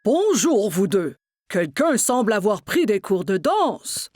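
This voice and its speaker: Cartoon role: gallant old grandfather, slow, swooping intonation, playful and courteous, light music underneath. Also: sits high, sing-song, a little mellow, heavily acted. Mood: warm, playful. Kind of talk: children's cartoon voice acting.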